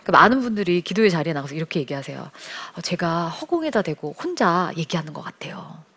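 Earnest woman teaching on prayer, lively pitch. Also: fast talker, breathy edge. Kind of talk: gentle devotional teaching.

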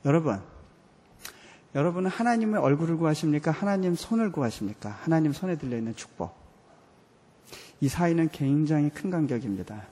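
Man preaching in an earnest, heartfelt storytelling manner, a touch high in pitch, with a long echo from a large hall. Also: expressive, brisk, long pauses, dark tone. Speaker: missionary preacher. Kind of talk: sermon with personal story. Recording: reverberant hall.

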